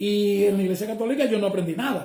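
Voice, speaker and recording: This man talks at a high pitch. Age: 60s. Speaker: missionary Bible teacher. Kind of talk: Bible study teaching. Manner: halting with frequent repetitions.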